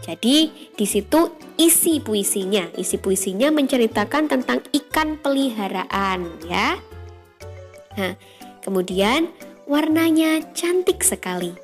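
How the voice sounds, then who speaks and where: A woman's voice: fairly high pitch, animated, unhurried, soft background music. A woman primary school teacher giving a patient lesson to young children, explaining step by step with frequent "ya" and "nah". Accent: Indonesian. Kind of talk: online class lesson for children.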